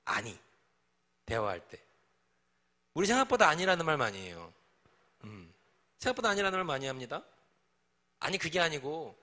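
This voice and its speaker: A man's voice: fairly high pitch, huge pitch swings, fairly quick, pauses often, pushed and bright. A middle-aged man preaching to young adults in a conversational, teasing way, acting out bits of everyday dialogue. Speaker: pastor.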